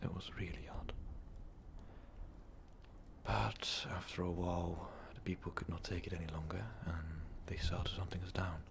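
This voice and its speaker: A man playing an ancient, brooding vampire overlord in a slow, halting, breathy half-whisper for an ASMR roleplay. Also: sits low, full character voice. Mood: haunted, sorrowful. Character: ancient brooding male vampire overlord confessing his dark past. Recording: noticeable background noise.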